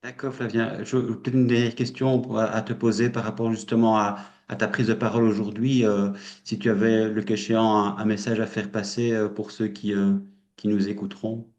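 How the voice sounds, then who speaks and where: Low-voiced male interviewer. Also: flat delivery, fairly quick, a little mellow, dull audio. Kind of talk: conversational interview.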